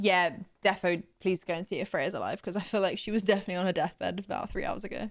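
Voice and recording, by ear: With fairly even intonation, a natural voice reads a passage aloud.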